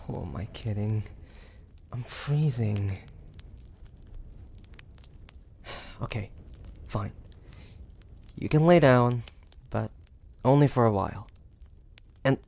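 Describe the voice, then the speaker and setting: A man acts out a proud 1850s demon hunter in an intimate roleplay drama. His mid-pitched voice has a lot of gravelly fry. He speaks slowly and haltingly, with breathy sighs and a sardonic, guarded temper. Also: lively intonation, darkish tone, a little hiss or hum. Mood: reluctant, protesting. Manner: halting, breathy sighs, indignant then grudging.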